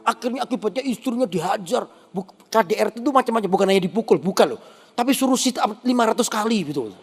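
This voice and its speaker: A man preaching a sermon as pastor, in a humorous, animated storytelling way full of asides. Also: high voice, fast, creaky, in a large hall, faint music behind.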